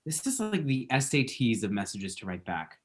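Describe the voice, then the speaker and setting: A man's voice: medium pitch, very animated, moderate pace, close to an everyday voice. A man reading the part of a dramatic, self-mocking young gay man, sarcastic and theatrical, at a table read over a call. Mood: rambling.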